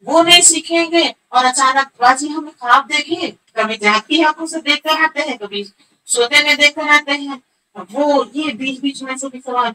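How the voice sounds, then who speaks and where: A woman's voice: high-pitched, moderate pace, bright, forceful tone, faint music behind, low-quality recording. A woman religious teacher giving an earnest talk in plain, simple words, with her voice altered to hide who she is. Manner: earnest, repeats phrases, plain simple wording. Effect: voice altered to hide identity.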